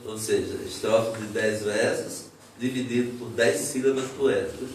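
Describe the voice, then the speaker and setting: A man's voice: fairly low pitch, fairly even intonation, unhurried, a little hiss or hum. A man with a Brazilian Portuguese accent, a cordel poet, chatting casually and often repeating words as he thinks. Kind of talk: casual conversation. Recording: echoey room, mic far off.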